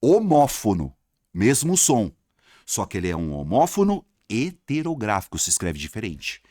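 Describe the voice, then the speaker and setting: A man's voice: lowish voice, wildly swooping pitch, moderate pace, dark tone, dry recording, studio quality. A man giving a video lesson, repeating words for emphasis and acting out his students' questions. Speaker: teacher.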